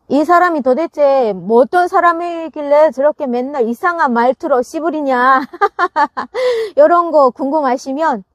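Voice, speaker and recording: A woman's voice: high-pitched, dry recording. Chatty woman with a dry close sound. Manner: chatty, laughs often, frequent restarts. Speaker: gardening channel host. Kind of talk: casual chat to viewers. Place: farm greenhouse.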